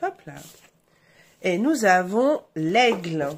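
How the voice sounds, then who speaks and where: A French woman with a cold and a stuffy nose gives casual tarot guidance in a vlog, her mid-range voice very animated against a slight hiss or hum. She speaks slowly and hesitantly, full of fillers, and warmly calls her viewers her "essentiels."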